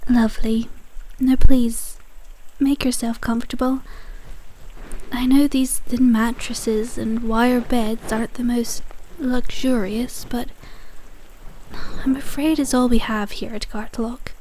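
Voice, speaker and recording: Woman acting prim proper nurse lady, kinda high voice, kind but firm, asmr roleplay audio drama. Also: flat delivery, takes it slowly, slight background noise, low-quality recording. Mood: polite, soothing. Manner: formal, courteous, gently euphemistic. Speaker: nurse guiding a patient.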